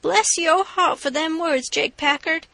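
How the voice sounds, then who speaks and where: A woman reader gives voice to a captive man on the floor of a wrecked steamboat, pleading through tears. The voice sits high and bright, dragging its words, in a dry close recording. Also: gravelly, no room sound, full character voice. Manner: pleading, blubbering, drawn-out.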